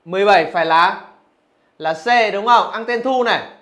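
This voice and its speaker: A man with a high voice teaches physics, working through exam questions one by one. He keeps checking with his students as he explains each answer. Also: normal speed, a bit bright. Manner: talks through answers, asks rhetorical questions. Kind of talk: exam review lesson.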